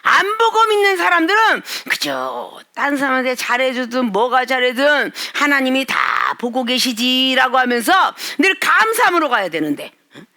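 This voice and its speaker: A woman's voice: sits high, big pitch swings, normal speed, pushed and bright. A middle-aged woman pastor preaching a sermon with emphatic delivery, acting out complaining churchgoers in a whiny voice.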